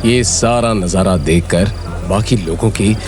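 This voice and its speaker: A man narrating a dramatic audio story in an expressive storytelling manner. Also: low voice, measured pace. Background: background music.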